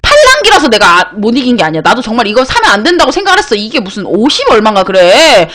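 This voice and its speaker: High, fast-talking young woman storyteller. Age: young adult. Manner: animated, swears freely, breaks into loud bursts. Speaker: internet broadcaster. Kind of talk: casual storytelling to viewers.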